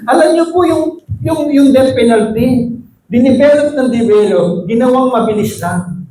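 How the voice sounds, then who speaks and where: A male preacher delivering a sermon, calling out to the congregation for amens and swinging between loud, high exclamations and low, quiet asides. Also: normal speed. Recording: echoey room with faint ambient noise.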